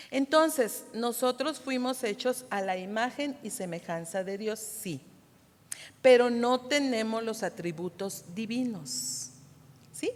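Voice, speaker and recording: Mexican woman teaching in a reverberant church. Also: on the high side. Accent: Mexican Spanish. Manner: explains step by step, often checks with "¿verdad?". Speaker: Bible study teacher. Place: church hall. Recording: reverberant hall, sound system distortion.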